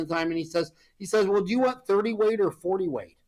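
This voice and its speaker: Very fast and high-pitched, a man speaks with an American accent. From Kansas, US Midwest. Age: 60s. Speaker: dentist and entrepreneur. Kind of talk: podcast interview. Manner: animated.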